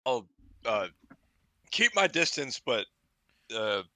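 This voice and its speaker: A man playing in a tabletop game over voice chat, hesitant and filling pauses with ums. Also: mid-range voice, very animated, pushed and bright, dry recording. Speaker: player. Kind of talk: casual tabletop role-play over voice chat.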